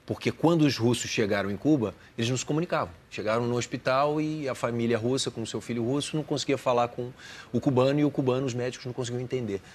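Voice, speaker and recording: A male actor being interviewed, explaining his work thoughtfully, with frequent pauses and restarts. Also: mid-range voice, slight background noise. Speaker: actor guest. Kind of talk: casual interview talk.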